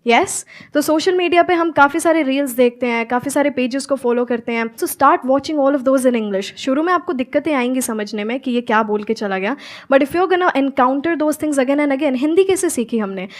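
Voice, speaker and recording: A young woman in her twenties from Haryana, a motivational speaker and English teacher, talking on stage and mixing Hindi with slow, clear English phrases. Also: high voice. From Haryana, India. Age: 20s. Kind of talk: stage conversation with audience questions.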